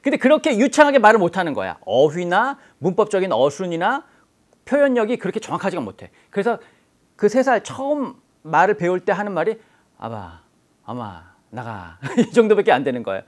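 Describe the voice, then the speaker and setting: Male lecturer, fairly high voice, patient and explanatory. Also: sing-song, fast talker. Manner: explanatory, poses rhetorical questions. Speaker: language teacher. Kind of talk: exam-prep lecture.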